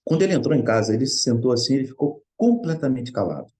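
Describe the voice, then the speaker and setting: A middle-aged man with a Brazilian Portuguese accent speaks in a relaxed, mellow tone. His pitch sits in an ordinary middle range. He tells a personal story in an earnest, conversational way as a speaker at a Spiritist study session. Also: fast talker.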